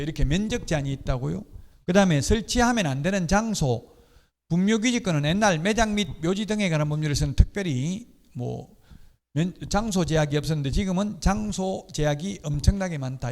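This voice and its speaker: In an exam-prep lecture, a middle-aged man teaches real estate law, explaining patiently and dropping in casual personal asides. His voice sits slightly high, and a long reverb suggests a lecture hall.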